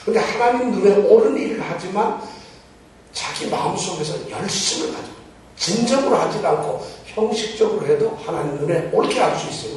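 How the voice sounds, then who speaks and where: Male preacher, slightly high voice, teaching with questions to the pews; distant mic in a very reverberant church. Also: a little mellow, slight background noise. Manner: poses rhetorical questions to the congregation. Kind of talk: Bible teaching sermon. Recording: very echoey church hall, mic far off.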